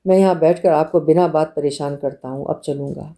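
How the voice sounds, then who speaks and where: A tender young husband speaks in soft, coaxing questions, as a woman narrator puts him on. His voice is low and dark-toned, gentle and pleading. It is heard in a storybook audiobook reading. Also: steady tone, brisk. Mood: sorrowful.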